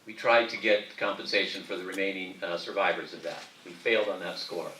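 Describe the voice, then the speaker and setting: A man's voice: sits low, fairly even intonation, a little fast, noisy background. A man answering emphatically as a candidate in a political debate. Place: debate hall. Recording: echoey hall from far off.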